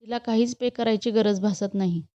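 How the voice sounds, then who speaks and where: A woman's voice: medium pitch, fairly even intonation, a little fast, dark tone, dull audio, close to an everyday voice. A woman voicing a short-tempered young male boss who gives curt commands in a storybook reading. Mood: curt, angry. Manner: curt, commanding, mixing in English phrases.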